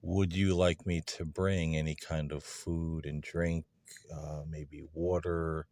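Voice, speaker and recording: A man hosting a paranormal session, asking earnest, polite questions in halting, tentative phrases with pauses. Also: a bass voice, flat delivery, a little mellow, slight background noise. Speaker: paranormal investigator hosting his own video series. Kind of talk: earnest spoken questions to unseen beings.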